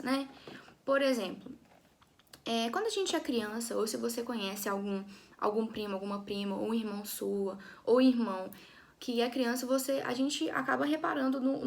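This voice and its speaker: A woman's voice: high-pitched, creaky. A young woman teaching an English lesson to her students, chatty, often checking in with her class and restarting her sentences.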